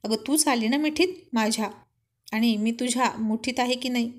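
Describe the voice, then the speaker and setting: A woman voicing a playful, tough young husband who teases his wife lovingly, drawling some lines slowly. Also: a little high, lightly acted. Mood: teasing. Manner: teasing, boastful, slow drawn-out lines.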